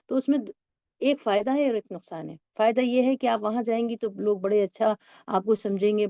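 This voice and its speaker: A woman teacher takes learners through English sentences. She explains with patience and reads each sentence out slowly, word by word. Her voice is warm and mellow, recorded close and dry. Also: mid-range voice, no echo, highs cut off. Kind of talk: spoken English lesson.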